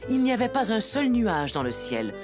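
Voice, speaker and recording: A woman's voice: fairly high pitch, big pitch swings, moderate pace, over music. A woman narrating a scripted children's story for a cartoon.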